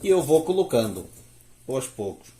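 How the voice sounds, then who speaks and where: A man's voice: mid-range voice, very animated, normal speed, warm tone. A man from Portugal with a European Portuguese accent, hosting a casual how-to demonstration and chatting at length as he works. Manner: chatty, explains at length, frequent "né?" and "ó". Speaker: DIY video host. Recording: echoey room.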